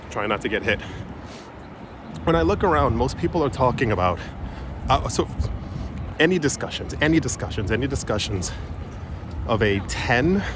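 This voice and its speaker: A man filming a casual vlog outdoors, rambling with many fillers and restarts, often keeping his voice low in public. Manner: drops his voice to talk quietly in public. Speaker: crypto vlogger. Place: outdoors on a city street with traffic. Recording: street traffic noise behind.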